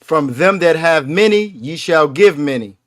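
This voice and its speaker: A man's voice: a little high, lively intonation, measured pace, a bit bright, dry recording. A man carefully reading scripture aloud for an online class while his connection keeps breaking up. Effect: connection breaking up on a remote call.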